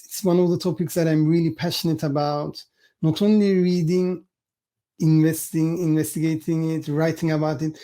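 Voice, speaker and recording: A man in his forties from Cyprus, a podcast guest giving deliberate, measured interview answers that list points one by one. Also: a little high, warm tone.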